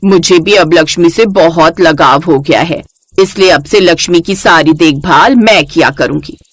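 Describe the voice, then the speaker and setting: A woman's voice: lowish voice, moderate pace, slight background noise, voice pushed down, close to an everyday voice. Woman doing a sly scheming mother-in-law. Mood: coaxing.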